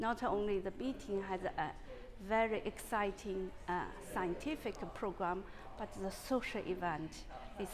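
Noticeable background noise accompanies a woman who talks at a fairly slow pace. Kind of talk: interview testimonial. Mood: warm, cheerful. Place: hall. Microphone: phone near.

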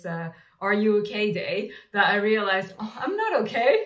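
A woman speaks with a French accent. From France. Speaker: talk show host. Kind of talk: casual panel discussion. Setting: video call. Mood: warm, smiling, reflective. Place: home room. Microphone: webcam.

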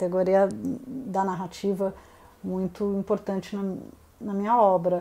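A woman's medium-pitched voice moves along at a fairly slow pace. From São Paulo, Brazil. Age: 50s. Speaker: novelist; interviewee. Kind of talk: literary interview. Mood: calm, reflective. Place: home room. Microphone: lapel.

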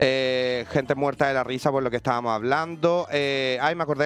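A man's fairly high voice, with a dry sound and no echo. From Chile. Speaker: podcast co-host. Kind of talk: casual chat. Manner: animated. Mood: playful, joking. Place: studio. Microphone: echo, sounds like in a bunker; studio mic.

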